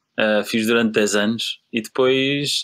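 This is a man speaking at a medium pitch. His pitch varies in an ordinary way. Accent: European Portuguese. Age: 40s. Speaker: long-distance cycling traveller. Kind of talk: casual interview.

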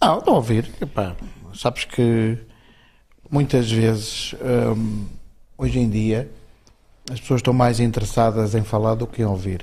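A man speaks at a medium pitch in a dark, mellow tone that is somewhat breathy, his intonation fairly even. His pace is fairly slow, with long, frequent pauses. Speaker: actor and comedian. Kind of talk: casual chat.

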